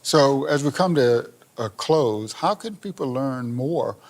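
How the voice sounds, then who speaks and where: A man hosts a video podcast interview. His voice sits at an ordinary middle pitch. He talks in a relaxed, conversational way and keeps asking follow-up questions. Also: slow pace. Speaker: podcast host.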